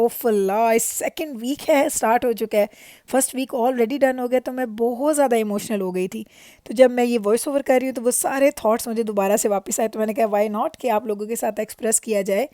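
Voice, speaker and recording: A middle-aged Pakistani-accented woman narrates her family vlog in a conversational, reflective way. Her voice is slightly high yet warm and rounded in tone. She drops English phrases into her talk, and the recording is close and dry. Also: no echo. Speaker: family lifestyle vlogger. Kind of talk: chatty, reflective vlog voice-over.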